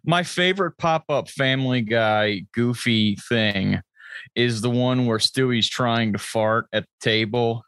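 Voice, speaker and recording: A man with a mid-pitched voice talks as a podcast co-host. The sound is dry and close. He shares opinions in a casual, informal chat style. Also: unhurried, fairly bright tone, smooth, dry recording.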